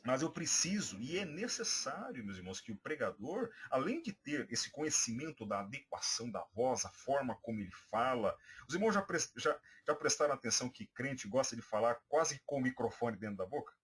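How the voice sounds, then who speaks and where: A man's voice: mid-range voice, very animated, a little fast, hardly any pauses, fairly bright tone, slight background noise. A man with a Brazilian Portuguese accent, a pastor giving a class on preaching, hesitant with many fillers and restarts, addressing listeners as brothers. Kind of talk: recorded class for church members.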